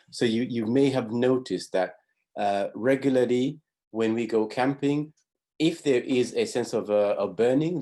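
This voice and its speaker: Over video, a middle-aged Zambian man instructs a youth class in pathfinder honours, going step by step and frequently restarting his phrases. His medium-pitched voice is mellow, with slight background noise in the recording.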